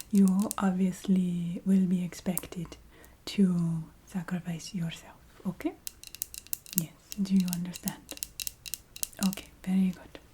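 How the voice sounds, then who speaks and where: Woman playing a slow, whispering vampire recruiter lady. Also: medium pitch, slight background noise, natural voice. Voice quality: soft, breathy whisper. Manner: hesitant, matter-of-fact, checking in with the listener. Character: chatty female vampire staffing recruiter, breezy and businesslike. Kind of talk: whispered ASMR roleplay.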